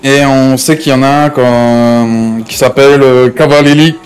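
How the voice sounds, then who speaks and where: A man's voice: medium pitch, fairly even intonation, measured pace, faint music behind, lightly acted. A man playing a hot-headed, menacing gang member in an improvised online crime roleplay, talking in slang with repeated verbal tics. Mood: businesslike plotting.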